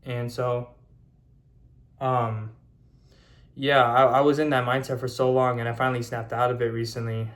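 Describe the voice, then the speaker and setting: A man's voice: medium pitch, flat delivery, normal speed, pauses often. A young man in his early twenties speaks straight to his camera with a mid-range voice. He rambles loosely and leans on fillers, restarting his sentences as he goes. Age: 20s. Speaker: YouTuber. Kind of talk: casual vlog monologue.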